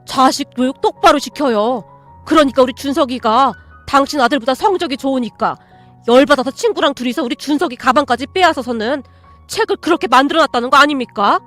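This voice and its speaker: A devoted male teacher speaks up firmly for his student in this radio story, voiced by a woman reader. Her voice stays high and earnest over faint music. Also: a little fast, close to an everyday voice. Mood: indignant. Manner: earnest, raising voice in defense. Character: devoted male teacher, quiet but protective.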